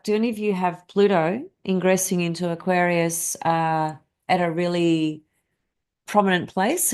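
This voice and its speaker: A woman's voice: on the low side, a little mellow. A woman whose first language is Greek, hosting a casual astrology live stream and talking to her viewers in a rambling way, with many fillers and restarts.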